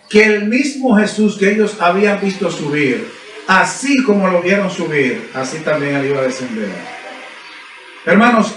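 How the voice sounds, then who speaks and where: A man's voice: high voice, fairly bright tone. A man preaching a sermon to a congregation, emphatic and repetitive, firing rhetorical questions. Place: church service. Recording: roomy church sound from a distant mic.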